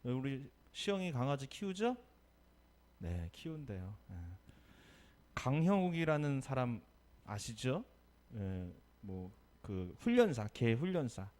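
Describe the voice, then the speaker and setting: A male pastor giving a Sunday sermon, telling a story with lively energy and asking the congregation questions. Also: mid-range voice, takes it slowly. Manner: animated storytelling, acting out quotes.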